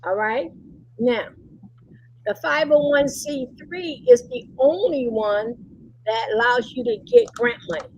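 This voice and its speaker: A woman's voice: high-pitched, very animated, a little slow, a little mellow, highs cut off. A woman presenting an informal webinar from an online call, repeating her points and checking in often as she teaches. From Cleveland, Ohio. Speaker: presenter teaching about nonprofits. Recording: faint background noise on webinar call.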